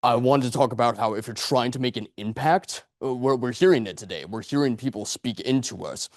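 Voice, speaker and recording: A man's voice: medium pitch, brisk, no echo, clean studio sound. A man in his late twenties giving a speech to a club audience in a meeting room, earnest and rambling, correcting himself as he goes. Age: 20s. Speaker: club speaker.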